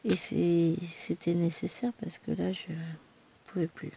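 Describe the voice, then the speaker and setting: A woman vlogger with a hoarse voice from a throat infection, chatting to her viewers in a rambling, tired, self-deprecating way. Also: lowish voice, steady tone, a little slow, warm tone, a little hiss or hum. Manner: speaks tired and worn out. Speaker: crafting vlogger. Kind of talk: chatty personal update to viewers.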